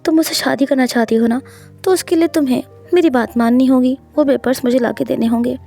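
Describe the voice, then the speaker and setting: A woman voicing a scheming, possessive young husband who speaks firmly and calmly. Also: high-pitched, fairly quick, gravelly, faint music behind. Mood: commanding.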